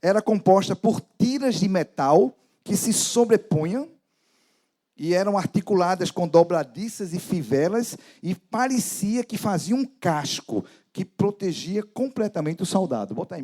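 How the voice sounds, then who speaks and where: A man preaching a sermon as pastor, dramatic, with sudden soft drops in his voice. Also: sits high, sing-song, moderate pace.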